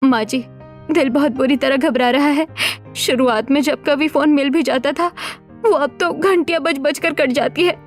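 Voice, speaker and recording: A woman's voice: high-pitched, normal speed, soft background music, close to an everyday voice. A woman voicing a distressed poor young wife and mother in a cartoon story, tearful and pleading. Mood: anxious.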